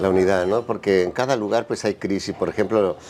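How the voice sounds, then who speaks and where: A fairly low-pitched man with a plain, everyday voice, ordinary pitch variation and a fairly quick pace. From Peru. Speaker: priest. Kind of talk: interview.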